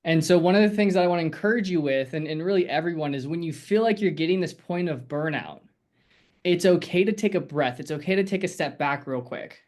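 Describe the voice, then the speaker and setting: A man's voice: a little high, brisk, darkish tone. A man coaching a group on a video call, talking casually in a rambling, encouraging way with lots of fillers. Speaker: sales coach.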